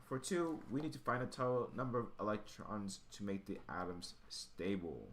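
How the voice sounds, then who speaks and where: A man with a fairly low voice works through an explanation as a tutor would. He takes it step by step in an informal way, thinking aloud as he goes. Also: animated, moderate pace, fairly bright tone, a little hiss or hum. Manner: thinking aloud while working. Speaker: chemistry tutor.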